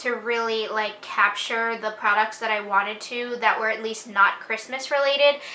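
A woman speaks at a moderate pace. Her intonation is flat and monotone. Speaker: haul vlogger. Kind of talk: casual vlog chat. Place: home room. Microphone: camera far.

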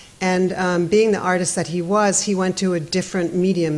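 Noticeable background noise runs under a woman's fairly low voice. She keeps a moderate pace with monotone, flat intonation. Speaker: art school president. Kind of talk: lecture. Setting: stage with audience.

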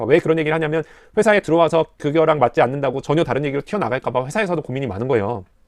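A man speaks very fast at a fairly high pitch, his tone animated and his pitch varying in an ordinary way. The sound is dry and close with no echo, over a quiet background. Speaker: automotive engineer and recruiter giving career advice. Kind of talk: live stream chat with viewers.

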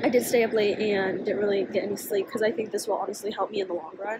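A woman speaks very fast with noticeable background noise in the recording. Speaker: travel vlogger. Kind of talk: casual vlog chat. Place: station. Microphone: phone near.

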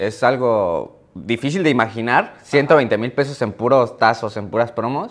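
Against a quiet background, the speaker goes fairly slowly with hardly any pauses and ordinary pitch variation. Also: man, medium pitch for a man. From Mexico. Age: 20s. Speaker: collector; interview guest. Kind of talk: casual chat. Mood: relaxed, animated storytelling. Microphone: lapel.

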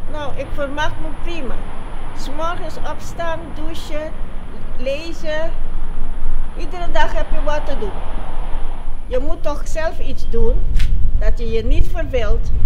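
A woman speaks at a very slow pace with extremely high pitch and lively intonation. Long, frequent pauses break it up, and background noise is noticeable. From Rotterdam, Netherlands. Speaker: elderly woman staying home during lockdown. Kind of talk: interview answer. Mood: calm, content. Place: street. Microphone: camera far.

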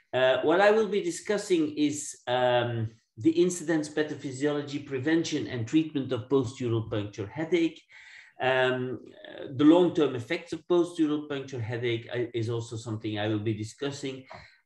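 Against a quiet background, a man talks at a moderate pace. His pitch varies in an ordinary way, and the room echo is audible. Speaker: obstetric anesthetist lecturer. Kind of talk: lecture. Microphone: video call.

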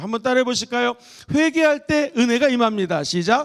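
Speech moves at a fairly quick pace. Its pitch swings very widely. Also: man. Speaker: pastor. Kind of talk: sermon. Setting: church. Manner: animated.

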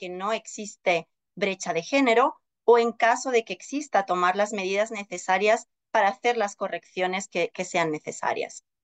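A woman talks with ordinary pitch variation and a moderate pace over a quiet background. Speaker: customer experience manager at certification firm; presenter. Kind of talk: online workshop presentation. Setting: video call. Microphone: video call.

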